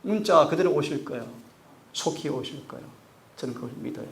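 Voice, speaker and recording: A male pastor delivering a sermon in a fairly high voice, leaping between quiet asides and loud, urgent peaks. A faint hum of room ambience sits behind him. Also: fairly quick, creaky. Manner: animated preaching, acting out dialogue with swings in pitch and loudness.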